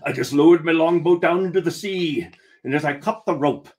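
A man telling a comic first-person pirate tale in a deliberate, theatrical manner. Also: on the high side, darkish tone. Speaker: storyteller.

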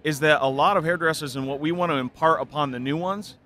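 Earnest bright-voiced man at a trade show. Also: a little high. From Spokane, Washington, United States. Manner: earnest, thoughtful, measured explanations. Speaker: hairdresser and product developer, guest. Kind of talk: casual interview. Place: booth at a busy trade show hall. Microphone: desk mic on a stand, close.

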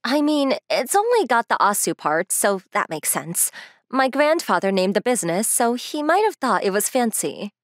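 A woman's voice: on the high side, sing-song, moderate pace, no echo, clean studio sound. A woman voicing a proud, blunt young rich woman in a manga dub, self-assured, matter-of-fact and teasing. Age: young adult.

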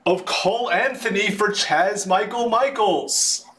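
A man hosting a live sports card break, announcing names in an excitable, drawn-out way, his voice starting to wear. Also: sits high. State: voice starting to give out. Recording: roomy echo, background noise.

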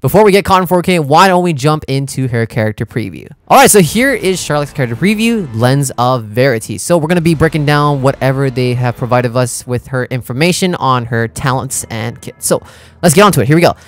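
Slangy gaming video host, medium-pitched voice. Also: expressive, a little fast. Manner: slangy, exclamatory. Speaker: YouTube reactor, gaming channel host. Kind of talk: casual reaction commentary.

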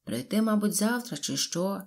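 A man's voice: high-pitched, expressive, moderate pace. A woman voicing a chatty male villager who rambles in folksy sayings in an audiobook. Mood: rambling.

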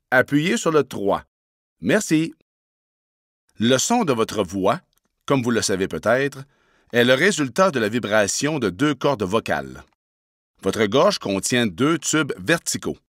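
A man's voice: mid-range voice, fairly bright tone, no echo, clean studio sound. A middle-aged man working as a voice actor, reading scripted narration.

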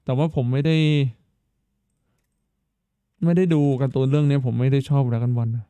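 The man's medium-pitched voice is warm and clean, at a moderate pace with no room sound. On his casual live stream he chats while playing, wondering aloud, tripping over and repeating words, and turning to viewers with questions.

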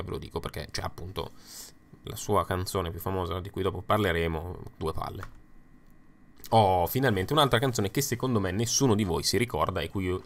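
Low-voiced chatty man giving opinions. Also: a bit bright. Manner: chatty, opinionated, with frequent fillers and asides. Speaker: YouTube host ranking songs. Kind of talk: casual spoken commentary over slides.

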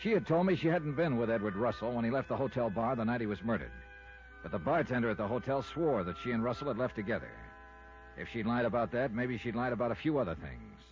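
An American actor playing a tough, wry, skeptical insurance investigator with clipped delivery in 1950s radio style. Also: male voice, medium pitch, animated, fast, natural voice. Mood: brisk narrating. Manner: clipped, hardboiled, pointed. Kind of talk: 1950s radio detective acting. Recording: dull vintage radio recording, faint music.

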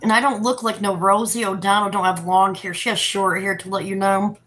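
A woman's voice: mid-range voice, steady tone, a little fast, fairly bright tone, slight background noise. Sassy woman livestreaming from a hotel room. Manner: sassy, defensive, talks to chat. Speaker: livestreaming vlogger. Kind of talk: rambling live stream chat. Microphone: phone camera close up.

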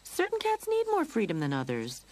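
Storybook young tomcat, voiced by a woman: fretful, soft-hearted, high and animated. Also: brisk. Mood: pleading. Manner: stammering, fretful. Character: young male house cat, anxious, soft-hearted brother.

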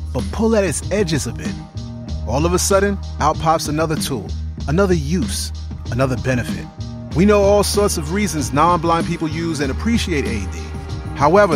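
A man hosting and producing a podcast, narrating a scripted intro with dramatic pauses on key phrases. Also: a little high.

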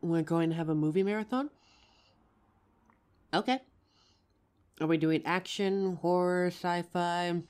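A woman voicing a gentle young female werewolf girlfriend in an audio roleplay, speaking tenderly and slowly through a grounding exercise. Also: fairly low pitch, smooth, lightly acted. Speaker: voice actor.

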